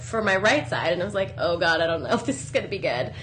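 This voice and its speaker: Over noticeable background noise and audible room echo, a woman talks at a very fast pace. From Hawaii. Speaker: travel guidebook founder. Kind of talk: casual interview. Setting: hostel.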